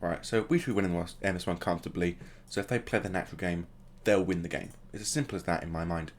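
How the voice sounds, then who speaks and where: Man, deep voice, casual let's-play commentary, play-by-play with jokey asides. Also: fast. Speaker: gaming channel host.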